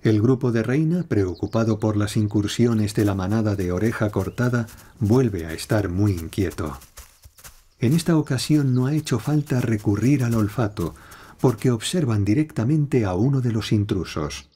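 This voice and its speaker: A man reads scripted nature documentary narration in a measured, dramatic storytelling way. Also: lowish voice, dark tone, breathy edge. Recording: studio voice-over over prominent music. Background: music, animal sounds.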